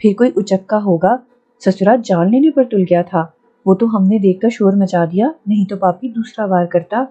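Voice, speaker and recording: A woman's voice: medium pitch, normal speed, mellow, slightly rough, lo-fi sound, lightly acted. A woman voicing a rustic elderly village uncle, blunt-spoken but kindly, fussing and scolding in a folksy way. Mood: earnest.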